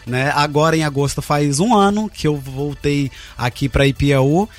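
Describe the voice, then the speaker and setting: A man, a stage actor, speaking earnestly and warmly as an interview guest. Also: a little high, moderate pace, soft background music. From Bahia, Brazil. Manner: earnest, heartfelt.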